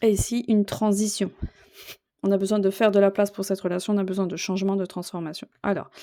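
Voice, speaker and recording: A woman's medium-pitched, dark, mellow voice at a very fast pace, in a monotone, flat intonation. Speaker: tarot card reader. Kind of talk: tarot reading for viewers. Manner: hesitant, many fillers.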